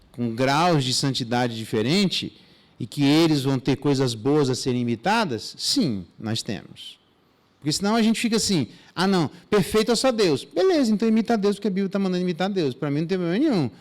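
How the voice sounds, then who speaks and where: A man with a Brazilian Portuguese accent, a pastor teaching through a Bible passage in a church, casual and animated, with slang asides and mock dialogues. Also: a little high, normal speed.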